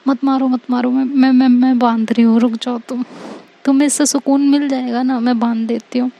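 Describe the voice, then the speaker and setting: A woman voicing a teasing young woman friend who talks in a hurried, flustered way. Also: high voice, little pitch movement, creaky, warm tone, muffled recording.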